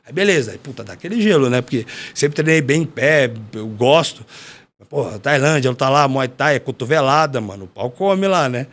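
A man, a former fighter, telling a story in casual chat, slangy and animated, acting out what others said. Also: medium pitch, brisk. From Brazil. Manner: animated, slangy, acts out quoted dialogue. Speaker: podcast guest, former MMA fighter.

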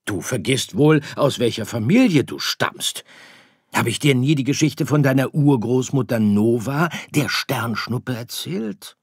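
Male reader as a gentle father star, slow, explaining, storybook audiobook. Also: mid-range voice, husky, no room sound, studio quality, voice pushed up. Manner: calm, explaining. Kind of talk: audiobook character voice.

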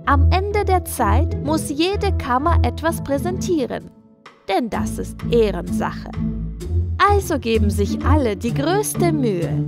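A woman's voice: sits high, very animated, takes it slowly, over loud music. A woman narrating a scripted children's story as its storyteller.

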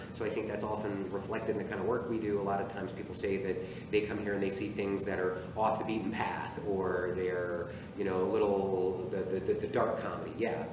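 Man talking on an echoey stage. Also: lowish voice. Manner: animated, talks with his hands, many restarts. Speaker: theater artistic director, guest. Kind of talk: casual interview chat. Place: theater stage. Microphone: far camera. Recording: echoey stage from far off with noise.

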